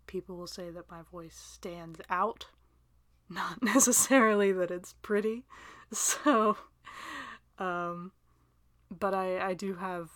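A young woman talks slowly and unhurriedly into a dry, close recording with no room sound. She rambles through listener questions, laughing often and turning self-deprecating, and her voice sometimes sinks into a soft, near-whispered aside. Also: lowish voice, no room sound.

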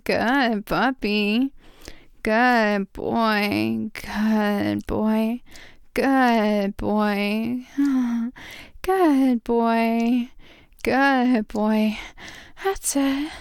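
A woman performing intimate adult roleplay as a dominant, affectionate lover, murmuring drawn-out praise and sometimes slipping toward a whisper. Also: on the high side, smooth, no echo, clean studio sound. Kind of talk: intimate erotic audio roleplay addressed to the listener.

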